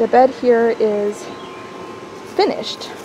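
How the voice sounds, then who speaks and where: A woman's voice in a dry sound with no echo, amid noticeable background noise. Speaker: home gardener vlogger. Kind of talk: casual vlog chat. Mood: relaxed, chatty. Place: garden. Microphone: phone near.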